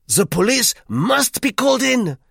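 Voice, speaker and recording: A man's voice: extremely high pitch, big pitch swings, a little slow, gravelly, fairly bright tone, slightly rough, dry recording, studio quality, voice pushed up, full character voice. A man voicing an insistent, fussy bearded French businessman who urges action emphatically.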